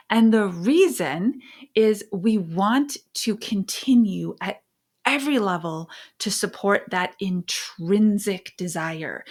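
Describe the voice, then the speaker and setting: A middle-aged American woman sharing personal stories and parenting advice as a podcast host, phrasing things emphatically with deliberate pauses. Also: medium pitch. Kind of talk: conversational advice and personal storytelling.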